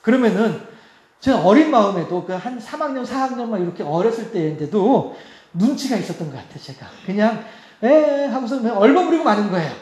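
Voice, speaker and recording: Man, pastor, very high voice, chatty sermon, laughs a lot, echoey church hall. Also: animated, brisk, a little mellow. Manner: chatty, laughing, asks the congregation rhetorical questions. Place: church sanctuary.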